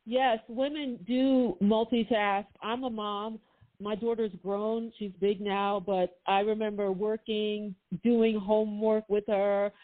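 A woman's voice: medium pitch, little pitch movement, slow pace. A woman hosting an interview, speaking in a chatty, enthusiastic way. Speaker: host. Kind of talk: casual interview chat. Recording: tinny phone line.

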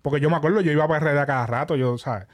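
A man's voice: a little high, very fast. A man born in the Dominican Republic and raised in Rico, talking casually and animatedly, swearing constantly. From Dominican Republic, raised in Puerto Rico. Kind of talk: casual chat.

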